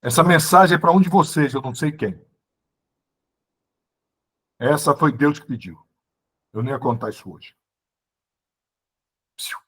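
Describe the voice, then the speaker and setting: A man's voice: a little high, expressive, measured pace, pauses often, a bit bright, slightly rough. A man preaching a testimony, telling his story dramatically and calling the listeners brothers. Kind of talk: sermon testimony.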